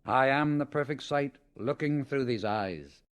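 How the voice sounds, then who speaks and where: A man narrating a scripted spiritual audiobook in a measured, emphatic, instructional manner. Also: medium pitch, smooth.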